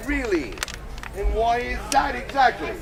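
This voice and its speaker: A gruff, sarcastic outlaw sidekick acted by a man in Renaissance faire theatre. He grumbles in a fairly high, projected voice, with crowd sounds clearly behind him. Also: sing-song, a little slow, exaggerated voice. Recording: outdoor crowd and street ambience.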